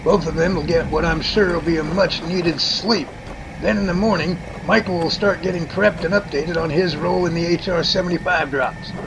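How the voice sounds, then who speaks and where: A man puts on a gravelly, folksy professor for a homemade radio play. The voice is fairly high and creaky, wordy and enthusiastic in explanation. Loud background noise runs underneath. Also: steady tone, moderate pace, lightly acted. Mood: explaining. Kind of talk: amateur radio drama acting.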